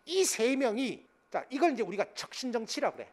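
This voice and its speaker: A middle-aged male lecturer with a fairly high voice that swings widely up and down. He talks into a handheld mic in a lecture studio, and he keeps throwing rhetorical questions at the class before answering them himself. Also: sing-song, fairly quick. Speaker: history lecturer. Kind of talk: exam-prep classroom lecture. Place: lecture studio in front of a green board. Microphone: handheld microphone.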